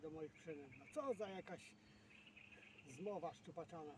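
A man from Poland in his sixties fishes from a boat out on open water, talking casually to camera at a somewhat slow pace in a highish voice. He drifts into rambling, self-deprecating muttering, and the far outdoor mic leaves background noise clearly audible.

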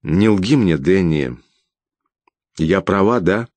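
A man reading an audiobook, voicing a worried, tired young wife who speaks quietly and pleadingly. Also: low-pitched, expressive, slow pace, no room sound, heavily acted. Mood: anxious.

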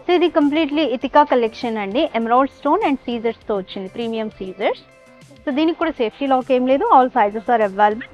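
High-voiced woman selling jewellery. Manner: cheerful sales pitch, Telugu mixed with English. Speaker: jewellery store presenter. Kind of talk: product showcase presentation. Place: jewellery showroom. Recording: dull lo-fi voice track with faint music.

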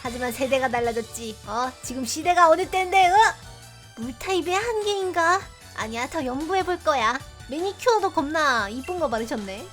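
A young woman giving casual, chatty commentary as she plays a game, reacting loudly, laughing often and teasing her viewers. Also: high voice, expressive, normal speed. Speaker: game streamer. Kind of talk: casual let's-play commentary. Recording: game music behind the voice.

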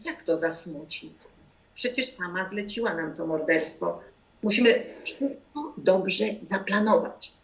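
A matter-of-fact woman organizer in a radio play, acted by a woman, with a middle-pitched voice and measured, slow speech. It is slightly muffled. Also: expressive. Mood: firm. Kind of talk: amateur radio play acting. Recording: slightly muffled home recording.

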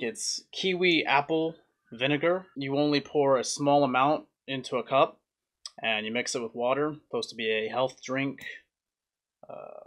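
A young man with a mid-pitched voice talks casually to camera as a food review vlogger. His delivery is plain-spoken and comes in short, halting phrases. He is recorded indoors in a small room, a little way from the camera. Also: fairly bright tone. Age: young adult.

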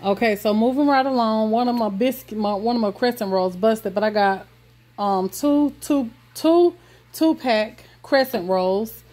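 A woman vlogger, walking through her groceries in a home kitchen and listing items slowly, with many ums and pauses. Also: on the high side, mellow. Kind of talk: casual grocery haul walkthrough.

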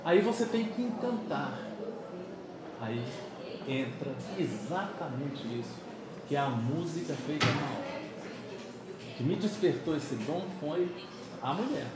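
A man in his fifties from Pernambuco, Brazil, telling stories in a chatty, animated way during an interview, often checking that his listener follows along. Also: on the high side, a little slow, pauses often, heavy reverb, a crowd in the background, low-quality recording. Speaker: musician guest. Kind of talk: casual interview. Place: small office meeting room. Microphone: camera across the table.

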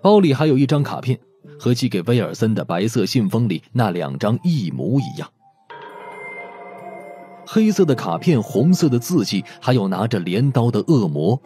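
A man narrating a mystery audiobook in an expressive storytelling manner. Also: lowish voice.

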